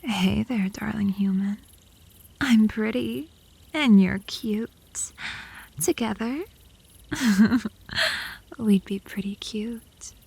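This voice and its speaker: A woman's voice: mid-range voice, extremely slow, creaky, long pauses, darkish tone, slightly rough, no room sound, heavily acted. A woman playing a possessive, lovesick, bratty vampire in a comedic ASMR roleplay, haughty and theatrical, by turns flirty and threatening. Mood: flirty, coaxing.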